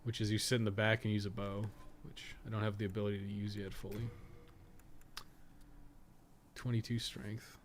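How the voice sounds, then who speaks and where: A man's voice: on the low side, flat delivery, normal speed, long pauses, a little hiss or hum. A man giving casual gameplay commentary, thinking aloud in a musing way, asking himself questions and trailing off into asides. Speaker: podcast co-host and game guide writer.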